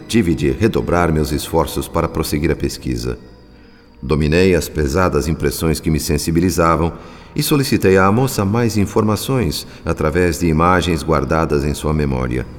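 A solemn spirit analyst. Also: male voice, deep voice. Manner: measured, solemn, literary storytelling. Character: reflective male spirit doctor, calm analyst. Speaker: narrator. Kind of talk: radio drama narration. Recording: reverberant with background music.

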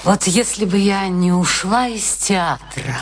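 An actress playing a haughty, sharp-tongued middle-aged wife in a radio play, proud and dismissive. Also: female voice, mid-range voice, animated, measured pace, a little hiss or hum, close to an everyday voice. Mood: cutting.

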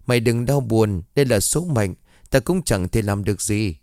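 A man's voice: lowish voice, expressive, moderate pace, darkish tone, no echo, clean studio sound. A man voicing the ghost of a young man, the narrator's friend, who is frightened and resigned to his fate. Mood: grave.

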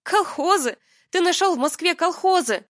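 A woman voicing a shrill, furious restaurant owner. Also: expressive, fast, a bit bright, no room sound, studio quality.

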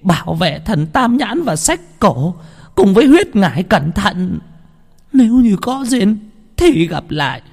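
Frail hunched old granny for a horror audiobook, high and raspy, voiced by a man. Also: big pitch swings, unhurried, exaggerated voice. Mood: pleading. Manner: pleading then shrieking in fury. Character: frail hunched old grandmother, fierce and desperate.

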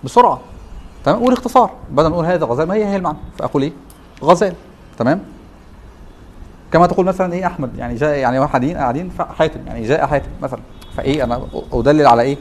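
A man with an Egyptian accent teaches a class at a brisk clip. His voice sits a bit high for a man. He keeps pausing to quiz his listeners with quick rhetorical questions. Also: animated, slight background noise. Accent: Egyptian Arabic. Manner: quizzes students with repeated rhetorical questions. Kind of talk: classroom lecture.

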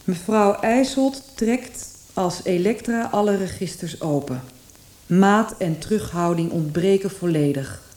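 A woman's voice: medium pitch, unhurried, darkish tone, natural voice. A woman playing a stern, scathing critic, formally reciting a review in a radio drama. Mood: disapproving. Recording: echoey, reverberant room.

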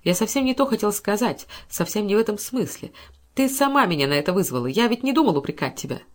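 A woman's voice: mid-range voice, animated, fast, lightly acted. A woman voicing a self-assured businessman husband who pleads and persuades. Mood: pleading.

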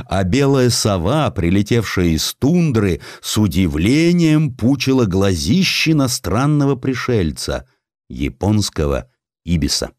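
A man narrating historical tales as a literary audiobook, with an expressive, dramatic storytelling delivery. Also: low voice, no room sound, studio quality.

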